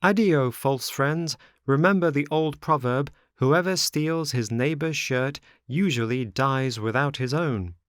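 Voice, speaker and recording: A man's voice: medium pitch, measured pace, hardly any pauses, no room sound, clean studio sound, voice pushed up, lightly acted. A man voicing an earnest little boy marionette in a storybook reading, with an emphatic, declamatory way of speaking. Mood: scornful. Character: earnest, grateful little boy marionette, scolding when wronged.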